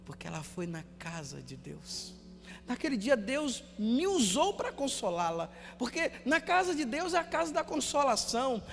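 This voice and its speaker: Brazilian priest preaching, really high voice, long echo, faint hum behind. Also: male voice. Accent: Brazilian Portuguese. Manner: storytelling, repeats words for emphasis, drops to a hush. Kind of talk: sermon.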